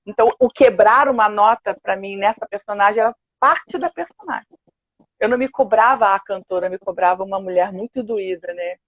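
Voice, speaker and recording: An older woman with a Brazilian Portuguese accent, a singer telling stories with lively quoted asides in a casual interview. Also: medium pitch, a little fast, dry recording. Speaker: guest, opera and musical theatre singer. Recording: dull, dry video-call audio.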